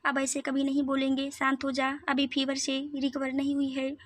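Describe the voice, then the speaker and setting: A woman's voice: high-pitched, monotone, moderate pace, close to an everyday voice. A woman voicing a teasing, blunt young woman friend in a read-aloud audio story. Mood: soothing.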